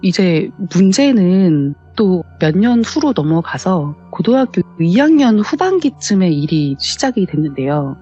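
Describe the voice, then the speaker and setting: A woman's voice: fairly low pitch, sing-song, unhurried, few pauses, warm tone, husky, lo-fi sound. A woman politely telling her own ghost story in a conversational, explanatory way. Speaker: caller telling a personal story. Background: background music.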